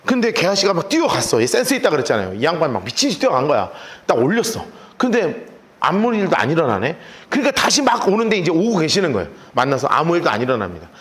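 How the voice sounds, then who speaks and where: Male pastor, sermon, animated storyteller, high voice, lively swings in pitch. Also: fast. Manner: animated storytelling, acts out characters.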